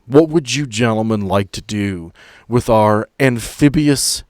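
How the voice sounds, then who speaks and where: A man's voice: on the low side, measured pace, darkish tone, no room sound, studio quality. A man running a tabletop role-playing game, moving between dramatic scene-setting and casual asides as game master.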